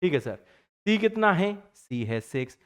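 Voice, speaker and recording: A man teaching math in a lively recorded lecture, playing both teacher and student in his own voice, chatty and full of catchphrases. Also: a little slow, clear, resonant tone. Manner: chatty, fond of catchphrases like "bachcha party"; lively pitch swings, drops low for student replies. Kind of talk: exam-prep math lecture.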